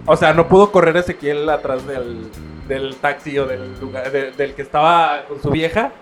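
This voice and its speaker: A man with a Mexican accent chimes in during casual chat. He drops mock-dramatic narrator lines in a slightly high voice, with faint music behind him. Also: normal speed. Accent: Mexican Spanish.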